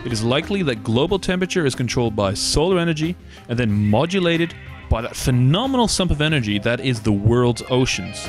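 Speaking over music, a man with a medium-pitched, very animated voice reads documentary narration from a script. He builds a measured argument, posing rhetorical questions as he goes.

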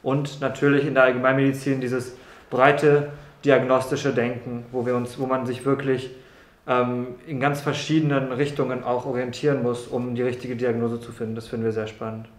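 A man's voice: mid-range voice, little pitch movement, moderate pace, reverberant. A young man from Brussels, a medical student answering interview questions earnestly and often repeating words. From Brussels, Belgium. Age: young adult. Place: room in a doctor's practice.

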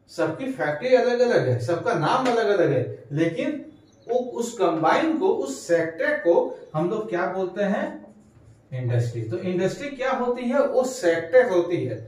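A young man teaching at a whiteboard in a casual lesson, explaining step by step and answering his own questions. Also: high voice. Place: small bright room at a whiteboard, indoors. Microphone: clip-on lapel mic. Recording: very echoey room, voice from some distance.

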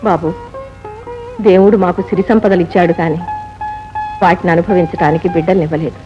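Woman as a soft wistful wealthy wife, lower than her usual pitch, film music behind. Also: steady tone, fairly quick, lo-fi sound, natural voice. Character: gentle wealthy childless wife on holiday. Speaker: wealthy childless visitor. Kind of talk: 1970s Telugu film acting. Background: film score.

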